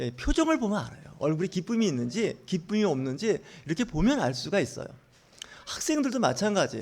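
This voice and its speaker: This man talks at a fairly quick pace with a high pitch. His pitch swings very widely. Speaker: pastor. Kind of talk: sermon. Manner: fast.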